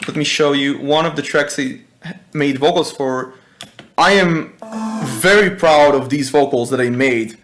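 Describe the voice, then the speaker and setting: A man from Israel with an Israeli accent, talking casually as a music producer in a hesitant, halting way, swearing now and then. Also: fairly high pitch, a bit bright. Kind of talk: casual workshop talk.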